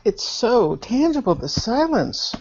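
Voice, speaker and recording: A woman's voice: fairly high pitch, big pitch swings, slow pace, darkish tone, breathy edge. A woman at a spiritual gathering, sharing her experience over a video call, often laughing and sighing as she tells her story. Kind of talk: candid personal sharing. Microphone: remote video call. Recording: dull, lo-fi video call audio.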